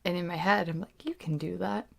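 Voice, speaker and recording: Giggly young woman with a gravelly edge. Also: lowish voice, steady tone, brisk. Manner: giggly, hesitant, self-conscious. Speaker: podcast guest, host's sister. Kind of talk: casual chat.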